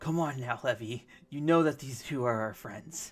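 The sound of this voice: A man speaks in a gruff, put-on character voice at medium pitch. His pace is moderate.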